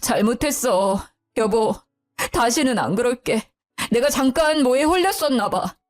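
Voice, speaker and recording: A guilty young husband in a storybook reading, drawing out slow, desperate pleas, voiced by a woman narrator. He sounds cornered and cowardly. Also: a little high, expressive, voice pushed up. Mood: desperate pleading.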